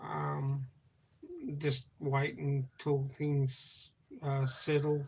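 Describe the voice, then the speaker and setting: A man speaks with an Australian accent at a fairly high pitch. His delivery is monotone and flat, and somewhat breathy. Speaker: vlogger. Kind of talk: casual live stream chat. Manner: soft-spoken.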